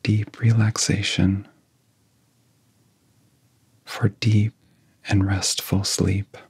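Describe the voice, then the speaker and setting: A man speaks in a soft, very breathy voice that often slips into a whisper. His pitch is on the low side and barely moves. He guides relaxation in a gentle ASMR style, close and dry on the microphone, leaving long pauses between soothing phrases. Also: little pitch movement, no echo.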